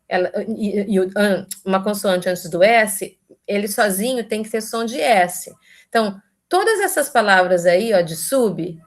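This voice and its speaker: A Brazilian woman lectures in a loose, conversational way, tossing tag questions at her listeners. She breaks off and rephrases as she goes. Her pitch sits in a middle range. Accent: Brazilian Portuguese. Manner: chatty, constantly adds tag questions; restarts and self-corrects mid-sentence. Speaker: university lecturer. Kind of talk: informal live lecture.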